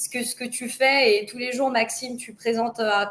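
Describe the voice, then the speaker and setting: Her fairly high voice moves at a fairly slow pace as the woman talks in a monotone, flat intonation. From France, Paris. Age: 20s. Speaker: student and political social media creator. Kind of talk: interview. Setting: live stream.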